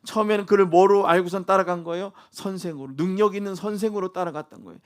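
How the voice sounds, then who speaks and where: High-voiced male pastor preaching. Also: fast. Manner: preaching with call-and-response questions to the congregation; swings between loud emphasis and soft near-whispers. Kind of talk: sermon.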